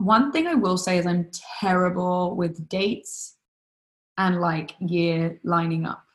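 A woman speaks at a medium pitch and a fairly slow pace, somewhat breathy. Her intonation is fairly even, with long, frequent pauses. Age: 30s. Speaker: Pilates studio owner. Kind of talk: interview. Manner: hesitant, many fillers.

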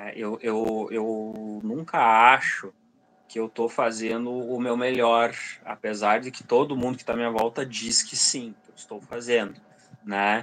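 A man's medium-pitched, monotone, flat delivery at a fairly slow pace, with big swings in loudness. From Rio Grande do Sul, Brazil (Passo Fundo). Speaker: fantasy author and schoolteacher. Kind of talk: interview. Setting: video call. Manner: halting, many repetitions and fillers.

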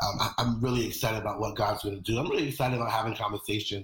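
A man with an American accent speaks at medium pitch. Noticeable background noise is present. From Brooklyn, New York. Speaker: podcast host and company founder. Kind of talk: solo podcast introduction. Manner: hesitant with fillers.

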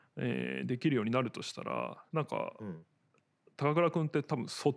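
A man at a moderate pace in a very clean recording with a silent background. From Shiga, Japan. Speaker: podcast host. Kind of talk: casual interview chat.

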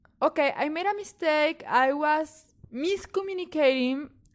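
A woman's lively intonation with a Spanish accent. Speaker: wellness podcast host. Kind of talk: solo podcast talk. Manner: halting.

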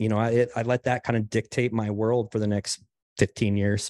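Against a quiet background, a man speaks in a fairly low, dark, mellow tone with monotone, flat intonation and a dry, close sound with no echo. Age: 50s. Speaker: entrepreneur and former teacher. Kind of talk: podcast interview.

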